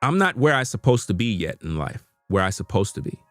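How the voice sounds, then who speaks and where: A lowish, sing-song male voice, fairly quick, with no echo and faint music behind. The speaker is a YouTuber streaming live and unscripted to his viewers from his home computer, sounding earnest, repeating himself and leaning on casual slang.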